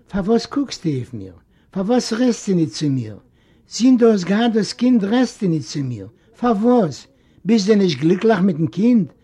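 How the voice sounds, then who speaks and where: A man's voice: high-pitched, very animated, normal speed, dark tone, breathy edge, pitched above the performer's own voice, exaggerated voice. A man voicing a fussy, affectionate old uncle in a storybook reading. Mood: fussing. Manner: coaxing, fussing.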